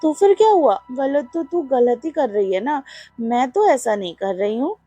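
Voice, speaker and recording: Woman doing jealous young college girl, possessive, sulky, breathy, lively pitch, faint music. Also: normal speed, no echo, exaggerated voice. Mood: accusing. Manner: sulking, accusing, clingy.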